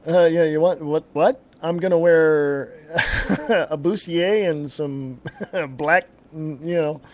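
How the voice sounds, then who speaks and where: A man's voice: on the high side, steady tone, takes it slowly. A man in his fifties hosting a live talk show, chatting casually with many fillers and frequent laughs. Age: 50s. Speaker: podcast host. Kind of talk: casual chat.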